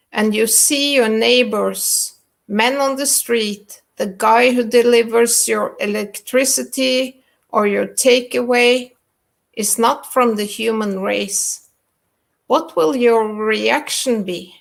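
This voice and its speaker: A woman's fairly high voice with a Norwegian accent, very slow pacing and ordinary pitch movement. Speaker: spiritual group council member. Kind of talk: reading aloud teaching text. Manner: paced in short segments for interpreter.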